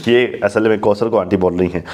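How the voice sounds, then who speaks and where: A man's voice: fairly low pitch, steady tone, a little slow, darkish tone. A man talking casually to his viewers, lecturing and often repeating "okay" to drive his point home. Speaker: vlogger.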